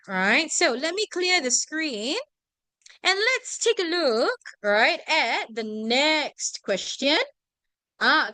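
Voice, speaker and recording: In an online revision lesson, a tuition teacher with a Singaporean English accent pauses after almost every point to check on her students, animatedly repeating "right?" and "okay?". Her voice is high, and no room sound is heard.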